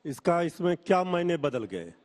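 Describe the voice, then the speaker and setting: A man arguing as a party spokesman in a TV debate, forceful and rhetorical, rising at times to shouting. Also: fairly high pitch, sing-song, normal speed, big-room sound. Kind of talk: heated political debate.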